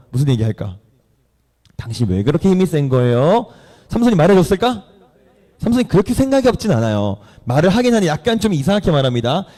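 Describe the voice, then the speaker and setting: A pastor with a high-pitched, darkish voice preaches a sermon in church. He retells a story, tossing playful questions to the congregation and acting out the characters' voices.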